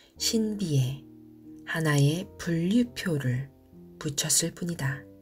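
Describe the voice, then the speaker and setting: A woman speaks at a very slow pace in a very deep, low pitch, her tone soothing yet her intonation lively. Long, frequent pauses break her speech while music plays in the background. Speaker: book reading channel host and narrator. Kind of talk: quiet book reading for sleep. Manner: soft, slow, soothing.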